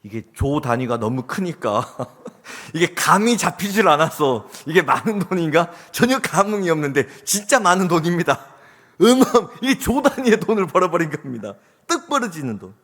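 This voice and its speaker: A man's voice: fairly high pitch, sing-song, moderate pace. Dramatic male preacher in a ringing hall. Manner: dramatic, swinging from hushed to loud. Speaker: pastor. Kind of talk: sermon. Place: church sanctuary. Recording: long church hall reverb.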